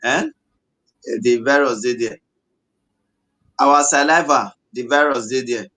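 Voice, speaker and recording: A man with a West African accent gives a health lesson in Pidgin English as a doctor and co-host, haltingly, with repeated phrases and checking tags. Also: mid-range voice, bright, forceful tone.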